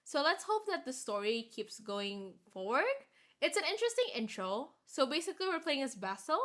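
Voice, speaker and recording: A woman's voice: high-pitched, sing-song, moderate pace, fairly bright tone. A woman game streamer reading visual novel narration aloud and commenting casually. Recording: music behind the voice. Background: game music.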